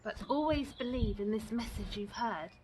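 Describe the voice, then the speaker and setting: A woman voicing a kindly white messenger bird in a children's storybook, solemn and measured, gently preaching. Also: a little high, lightly acted. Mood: tender, assuring.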